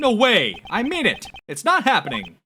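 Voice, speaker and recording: A female-sounding, put-on character voice, shrill and high in pitch. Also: moderate pace. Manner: panicked, denying.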